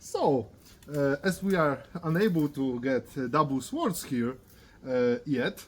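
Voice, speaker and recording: A man talks very slowly with a Polish accent. His pitch is fairly high, with ordinary variation. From Poland. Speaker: property buyer client. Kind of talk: casual chat. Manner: animated.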